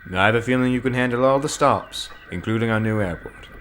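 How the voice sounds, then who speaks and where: A man's voice: medium pitch, quick pace, fairly bright tone, a little hiss or hum, close to an everyday voice. A man voicing a firm but fair middle-aged railway boss in a formal, authoritative manner, in a storybook reading. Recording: music playing clearly behind.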